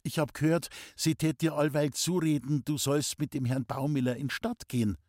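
A man's voice: a little high, steady tone, normal speed, darkish tone, no echo, clean studio sound, pitched above the performer's own voice, natural voice. A man voicing a shy young village girl, talking hastily and stammering. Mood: eager. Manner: hasty, stammering.

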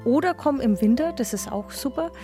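A woman's voice: high voice, animated, brisk, music in the background. A woman giving a casual, easygoing interview answer.

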